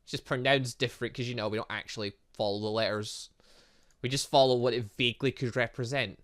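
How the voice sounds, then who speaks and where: An excitable gaming host rambles through let's play commentary, reading game text aloud and breaking off to exclaim. He talks fast at a medium pitch.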